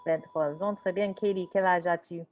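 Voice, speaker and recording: A woman's voice: on the low side, steady tone, normal speed, darkish tone, highs cut off, faint music behind. A woman teaching an online French class over a video call, mixing French and English as she encourages her students.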